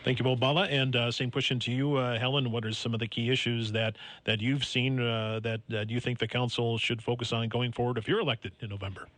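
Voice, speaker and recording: A man's voice: medium pitch, flat delivery, a little fast, few pauses, fairly bright tone, no echo. Dry-sounding radio host man. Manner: friendly, uh-filled moderating. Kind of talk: radio forum moderation.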